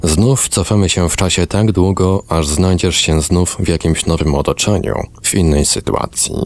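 A man reading the part of a hypnotist who asks calm, measured questions. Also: low voice. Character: calm male hypnotist asking steady questions. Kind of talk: reading a hypnosis session transcript aloud.

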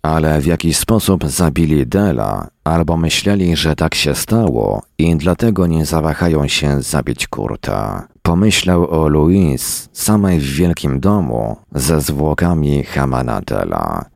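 A man reading a story aloud as narrator, in a steady, even way. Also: extremely low pitch, a little slow, vocal fry, few pauses, no room sound, clean studio sound. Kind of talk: audiobook reading.

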